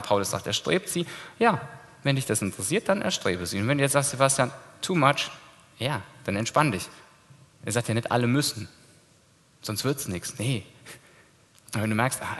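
A man preaching a sermon in a lively, informal way, dropping casual slang as he talks to his church. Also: medium pitch. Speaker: pastor. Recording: long hall reverb.

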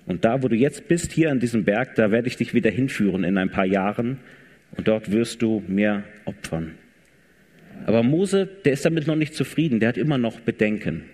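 A man's voice: lowish voice, moderate pace, a little mellow. A man preaching a sermon in a casual, conversational way, retelling scripture dramatically. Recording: long reverb of a large hall. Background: congregation.

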